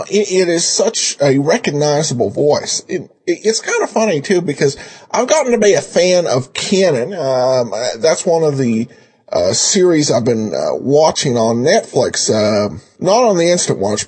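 Man, podcast host, casual commentary, halting delivery, raspy voice, lively swooping pitch. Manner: halting, hesitant, with repeated starts. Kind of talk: casual, unscripted commentary and reading listener mail.

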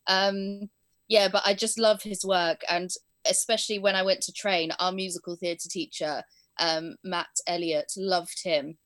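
Chatting as an interview guest, a young Englishwoman covers her work in performing arts teaching and editing, with plenty of fillers and easy laughs. Her lowish, slightly bright voice keeps a fairly even intonation at a measured pace; she was born in England and raised in southern Spain.

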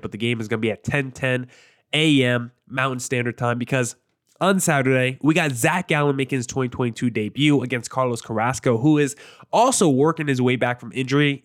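A young man hosts a sports podcast, his voice nasal and clogged from allergies. He talks in a casual, brisk way, running through player stats and matchups. The sound is dry and close, with no room around it. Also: mid-range voice, no echo. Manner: brisk, self-promoting, stat-heavy. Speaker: podcast host.

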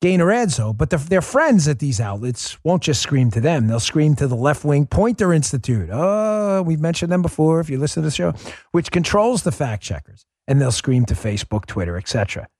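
A man's voice: a little high, very animated, a little fast, no echo. Emphatic male podcast host, dry studio. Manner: emphatic, swings loud and quiet for emphasis; addresses listeners directly as folks. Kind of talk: political talk show monologue. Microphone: studio microphone.

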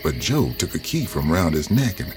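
A man with a very low voice narrates his own past in a reflective, drawling storytelling manner. His pitch still moves expressively, and music plays underneath. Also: sing-song, moderate pace. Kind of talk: scripted first-person narration.

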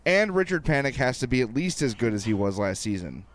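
A man's voice: mid-range voice, very animated, brisk. A man co-hosting a casual sports podcast, talking in a wry, joking manner. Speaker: podcast co-host.

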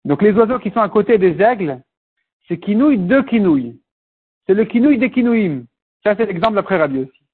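A man with a high, husky voice leads a Talmud lesson. He works through each term patiently, slipping in Hebrew and Aramaic words. The recording sounds thin and phone-like. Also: animated, normal speed. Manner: explains step by step, mixes Hebrew and Aramaic terms. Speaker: Talmud teacher. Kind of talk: Talmud class explanation.

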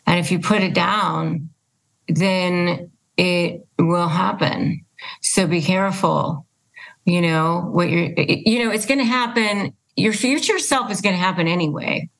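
A woman's voice: on the low side, unhurried, creaky, a bit bright, rough recording. A woman hosting a casual conversational interview, speaking emphatically and repeating her points for stress. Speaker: podcast host and interviewer.

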